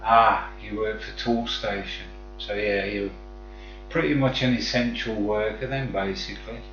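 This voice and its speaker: Slow-talking man with a Black Country accent. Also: fairly low pitch, steady tone, vocal fry, fairly bright tone. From West Midlands, England. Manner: friendly, matey address to viewers. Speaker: live streamer chatting with viewers. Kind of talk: casual chat. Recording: dull sound, echoey room, faint music.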